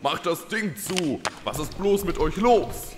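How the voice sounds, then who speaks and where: A man playing an excitable, bossy leader of little storybook creatures in a children's audio drama, blustering and pompous. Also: on the high side, unhurried, music in the background. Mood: indignant. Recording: long reverb, faint noise.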